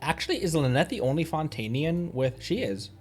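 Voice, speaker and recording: This man's voice sits on the high side, expressive and brisk, as he streams a video game. He chats casually and rambles, thinking aloud over soft game music.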